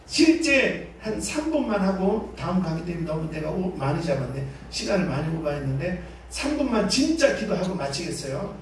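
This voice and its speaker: A man pastor leads a revival seminar with a fairly high voice, shouting cries of prayer and joking between them. He sounds far from the microphone. A heavy echo fills the large hall around him. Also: very animated, moderate pace, few pauses, slight background noise. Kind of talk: revival sermon with call-and-response.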